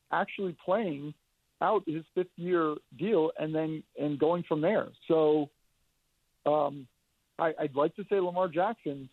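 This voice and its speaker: A man sports reporter speaking as a guest on the radio, measured and a little hesitant. He has a slightly high voice. The audio comes through a thin, dry phone line. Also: dry recording. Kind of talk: radio interview answer.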